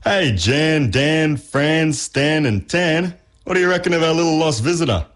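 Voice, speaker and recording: A man's voice: fairly high pitch, measured pace, a bit bright. A man voicing a friendly, cheerful wallaby storekeeper in a children's audio story. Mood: cheerful, hearty.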